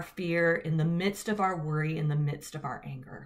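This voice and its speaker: A woman is speaking. The background is quiet. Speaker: church leader giving a devotional video. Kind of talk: guided meditation and prayer practice. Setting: home guest room, recorded video. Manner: calm, gentle, slow and soothing; warm, reflective, pastoral. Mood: calm, earnest, reassuring. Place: home room.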